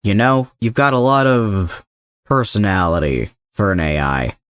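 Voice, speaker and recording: A man voicing an impatient, gruff young man in an audio story, blunt in manner. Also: on the low side, very animated, measured pace, a bit bright, dry recording, clean studio sound. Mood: curious, blunt.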